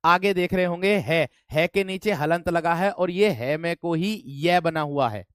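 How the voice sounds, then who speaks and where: A man's voice: on the high side, unhurried, fairly bright tone, clear, resonant tone, dry recording, clean studio sound. A man teaching an online grammar class, explaining step by step and often calling his students friends and brave ones.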